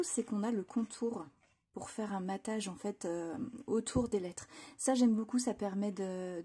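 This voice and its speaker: A craft channel host chats through a casual product haul in her home craft room. Her mid-range voice is mellow and husky, and she's enthusiastic, with lots of fillers and restarts.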